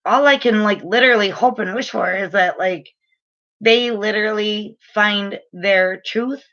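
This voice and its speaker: Woman, late 30s, spiritual reader, chatty and earnest, crisp bright tone, a bit muffled. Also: mid-range voice, unhurried. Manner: chatty, filler-heavy, earnest and frank. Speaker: spiritual reader and energy healer. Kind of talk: casual spiritual advice talk to camera.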